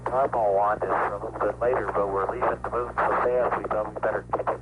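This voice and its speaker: A man's voice: lowish voice, steady tone. Man on crackly, noisy space radio. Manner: brisk, clipped radio call-outs. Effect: crackly space-to-ground radio. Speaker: astronaut.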